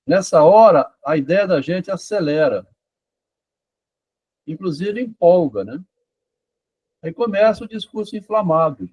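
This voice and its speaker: A husky man with a slightly high voice chats at length in a casual, meandering way, often tagging his sentences with little checks to the listener. The sound is dry and close, with no room around it. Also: lively intonation, a little slow, pauses often, darkish tone, no echo, poor audio. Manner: rambling, frequent "tá?" and "né?" checks. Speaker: author discussing his doctoral thesis. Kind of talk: casual conversation about psychoanalysis and literature.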